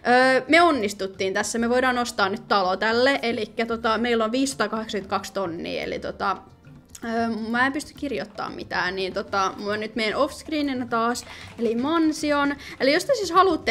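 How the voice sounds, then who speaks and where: A young woman commenting casually on her gameplay, chatty and excitable, often pleading and reading out game options. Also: fairly high pitch. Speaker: gaming video host.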